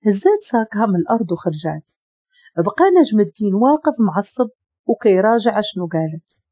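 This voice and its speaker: Husky Moroccan woman narrating a story. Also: medium pitch, big pitch swings, brisk, dark tone, no echo.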